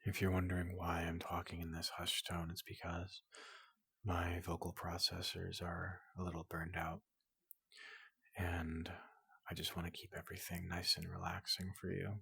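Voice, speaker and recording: A man playing a big, gentle robot doctor in a soothing ASMR roleplay, speaking in a hushed, breathy half-whisper with a polite, reassuring manner. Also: deep voice, monotone, no room sound, full character voice. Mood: soothing, welcoming. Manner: slow, gentle, reassuring, repeats questions softly.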